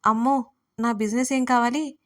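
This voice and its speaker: A woman voicing a playful, excitable young woman who talks in a bubbly, dramatic way in an audio drama. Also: fairly high pitch, moderate pace, close to an everyday voice.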